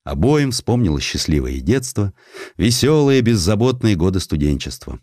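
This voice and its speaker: A man reading a historical story as an audiobook narrator, in an expressive, dramatic literary style. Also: fairly low pitch, normal speed, no echo, studio quality. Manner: expressive, acting out quoted dialogue.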